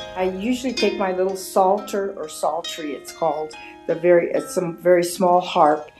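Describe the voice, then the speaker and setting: Over music in the background, a woman speaks at a fairly slow pace with a medium pitch. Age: 80s+. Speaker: hospice volunteer harpist. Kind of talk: interview.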